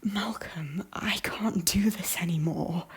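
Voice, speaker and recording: A woman playing a guilt-ridden former queen of Scotland in an audio drama, speaking earnestly and solemnly in a breathy, hushed voice. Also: lowish voice, takes it slowly, full character voice. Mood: guilty, weary. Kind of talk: intimate audio drama acting.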